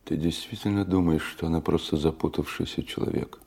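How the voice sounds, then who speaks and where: An actor playing a steady, sympathetic antifascist comrade in an audio drama, speaking in a plain, measured, terse way. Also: male voice, a bass voice, gravelly. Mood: questioning. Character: steady, sympathetic male comrade, builder turned antifascist fighter.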